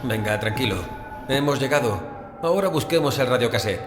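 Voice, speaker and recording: An actor playing a skeptical, impatient paranormal investigator in a horror audio drama. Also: male voice, medium pitch, animated, fairly quick, music in the background, natural voice. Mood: dismissive. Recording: echoey, reverberant, background ambience noise.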